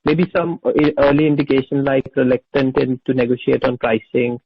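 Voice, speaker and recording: Analyst guy asking stuff on an earnings call, muffled line, kinda raspy. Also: mid-range voice, fairly even intonation, normal speed, no room sound. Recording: dull lo-fi conference phone line.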